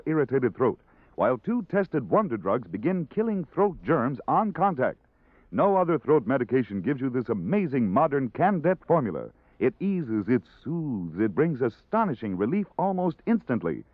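A man's voice: medium pitch, no echo. A man giving a persuasive 1950s radio commercial read on a tinny old recording. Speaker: commercial announcer.

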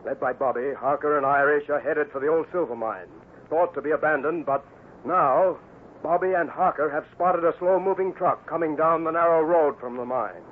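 A man's voice: a little high, moderate pace, natural voice. A man narrating an old radio Western serial as its announcer, emphatic and suspenseful. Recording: noisy, narrow-band old radio recording.

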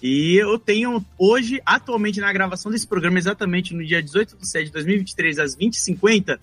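A man, a podcast guest telling about his life in relaxed conversation. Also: high-pitched, quick pace, slightly rough, dry recording, faint music behind. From Brazil. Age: 30s. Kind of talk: casual interview chat.

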